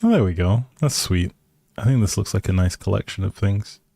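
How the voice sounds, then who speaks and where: This streamer's lowish, mellow voice has a gravelly, breathy edge, lively intonation and a slightly quick pace. He rambles in a friendly way to viewers while playing a life simulation game, thinking out loud, and the close, dry sound has no echo and almost no room.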